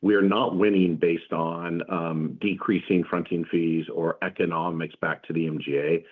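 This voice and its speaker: A man answering questions as a company executive on an earnings call, in measured corporate explanation. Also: low-pitched, fairly even intonation, slightly rough. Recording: muffled phone-like conference call line.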